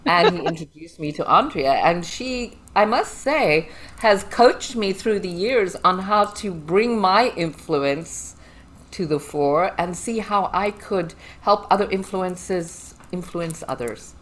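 Chatty Zimbabwean-accented woman, lowish voice. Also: slow, low-quality recording. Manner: chatty and animated, laughs often. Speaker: guest. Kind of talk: casual interview chat.

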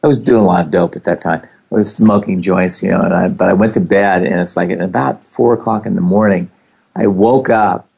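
A man's voice: sits low, fairly even intonation, fairly quick, vocal fry, darkish tone, husky. A man hosting a casual talk show, rambling with many fillers. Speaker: host. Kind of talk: casual chat. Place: California.

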